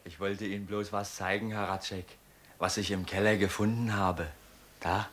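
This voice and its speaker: A man's voice: lowish voice, level tone, normal speed, a bit bright, slight background noise, close to an everyday voice. A man playing an eager, plain-spoken young servant lad in a village shop, in a radio play. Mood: eager, guileless. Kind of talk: German radio play acting.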